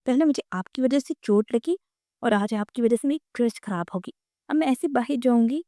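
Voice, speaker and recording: A woman's voice: mellow, dry recording, clean studio sound, natural voice. Woman doing a pouty young girl. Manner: petulant, high-pitched complaints.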